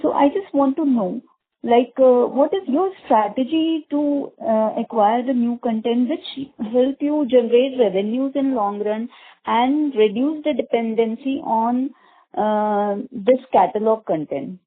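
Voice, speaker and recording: Woman caller, slightly high pitch, hesitant phrasing, unscripted question, phone-quality sound. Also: a little slow. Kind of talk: unscripted investor question on a conference call. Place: telephone call. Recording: narrow phone-like line.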